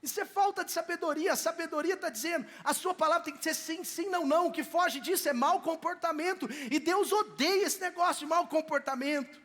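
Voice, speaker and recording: A male pastor with a Brazilian Portuguese accent from Minas Gerais preaches a sermon in a very high voice. He talks to the congregation in a conversational, storytelling way. His words ring out with the long reverb of a church sanctuary. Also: a little fast, few pauses, a bit bright.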